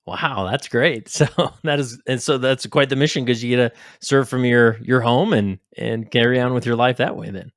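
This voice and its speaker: A man's voice: medium pitch, fairly even intonation, moderate pace, hardly any pauses, no echo, clean studio sound. A man hosting a podcast interview in a casual, upbeat way, with loose fillers like "you know.".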